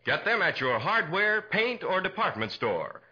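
A man's voice: high-pitched, big pitch swings, a little slow, pushed and bright. An American man announcing and narrating a 1940s radio show with emphatic, dramatic salesmanship. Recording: muffled 1940s radio recording.

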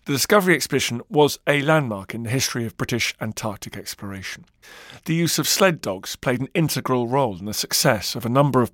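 A man's voice: mid-range voice, fairly bright tone, no room sound, studio quality. A man narrating a scripted history documentary with dramatic, varied emphasis.

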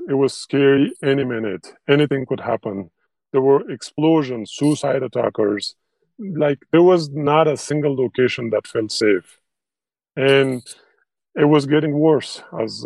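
A man from Afghanistan speaks in an interview through a digitally altered, disguising voice filter. His tone is dark and gravelly, and the sound is dry and close. He talks earnestly, leaning on fillers and restarting phrases. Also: medium pitch, no echo. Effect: voice digitally altered to disguise identity. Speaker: interviewee, former interpreter and contractor. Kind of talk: interview testimony.

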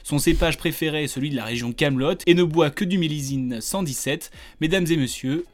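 A man's voice: fairly high pitch, brisk, soft background music. A man hosting a podcast, joking through a scripted intro and then chatting casually in a wry manner. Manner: wry, joking, full of wordplay. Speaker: podcast host.

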